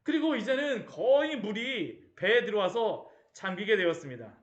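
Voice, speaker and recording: A man's voice: sits high, lively intonation, moderate pace, reverberant, lo-fi sound. A male pastor preaching a sermon, asking rhetorical questions and acting out the disciples' cries. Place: church.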